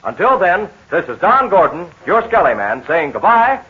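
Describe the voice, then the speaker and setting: An American man announcing in a dramatic, emphatic 1940s radio style, narrating a serial and pitching its sponsor. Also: big pitch swings, normal speed. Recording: muffled, tinny vintage radio broadcast.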